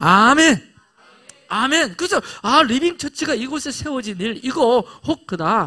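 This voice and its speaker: Very slowly, a man speaks with an extremely high pitch and a bright, sharp tone. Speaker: pastor. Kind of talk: sermon.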